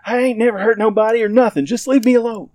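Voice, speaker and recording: A panicked old backwoods man shouting into the dark, his voice high and strained with rough country grammar, put on by a male narrator. The sound is dry and close. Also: steady tone, quick pace, no echo. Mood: terrified.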